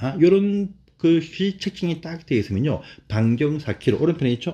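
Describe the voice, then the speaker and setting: Over a quiet background, a somewhat breathy voice talks at a moderate pace. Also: man. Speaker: professor teaching exam-prep law course. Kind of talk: lecture. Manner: halting, frequent fillers and restarts.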